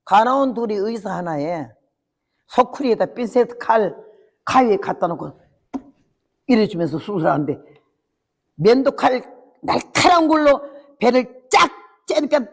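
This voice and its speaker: A woman's voice: fairly high pitch, sing-song, a little slow, pauses often. An older woman missionary telling her testimony as a sermon, with vivid, dramatic storytelling. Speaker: missionary preacher. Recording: long hall reverb.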